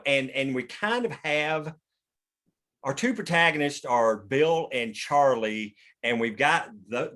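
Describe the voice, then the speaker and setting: A man's voice: mid-range voice, a bit bright. Casual man explaining things to a group. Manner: informal, explanatory, occasionally profane. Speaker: writer leading a script table read.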